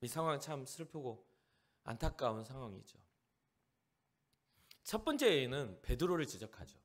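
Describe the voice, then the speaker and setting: A man from Jeolla, South Korea, preaching as a pastor at a youth service, animated and acting out the people he describes. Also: medium pitch, moderate pace. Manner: animated, acts out the lines of the people in the story.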